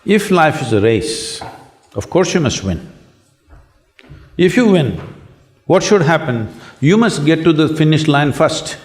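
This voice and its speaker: Hoarse Indian man, rhetorical public speaker answering students. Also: a little high, very animated, a little slow, long pauses. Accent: Indian English. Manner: rhetorical, asks the audience to agree. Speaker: spiritual speaker answering questions. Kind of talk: public talk. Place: large lecture hall with an audience.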